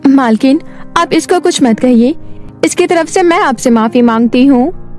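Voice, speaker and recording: A woman's voice: high-pitched, lively intonation, unhurried, darkish tone, soft background music. A woman voicing a meek, sorrowful, loving widowed mother in a cartoon story, pleading and apologetic. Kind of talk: animated moral story dialogue.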